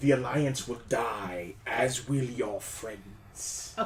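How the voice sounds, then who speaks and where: Over clear background noise, a man at medium pitch uses a put-on character voice and speaks very slowly. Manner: menacing.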